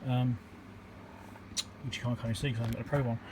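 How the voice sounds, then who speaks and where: A man with a medium-pitched voice demonstrates an electronics repair at an indoor workbench, thinking aloud in an informal, halting, step-by-step way. A steady hum and room noise sit in the background.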